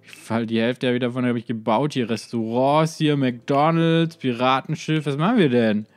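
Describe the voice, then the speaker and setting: A man's voice: mid-range voice, moderate pace, dry recording, faint music behind. A man giving let's play commentary on a life-simulation game. He rambles casually, keeps talking to the game characters, and tags his sentences with fillers like "hier" and "ne". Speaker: let's player.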